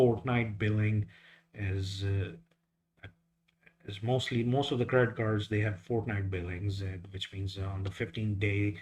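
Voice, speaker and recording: Fairly low-pitched, somewhat breathy male voice with fairly even intonation. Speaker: affiliate marketing YouTuber. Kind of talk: video review. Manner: halting, many fillers; casual.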